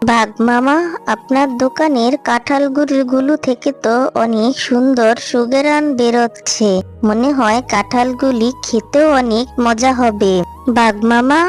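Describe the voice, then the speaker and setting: A worried mother fox, acted by a woman in a cartoon, poor and widowed. Her slightly high voice swings between scolding and pleading, with soft music underneath. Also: lightly acted. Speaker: narrator as well. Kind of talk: cartoon voice acting.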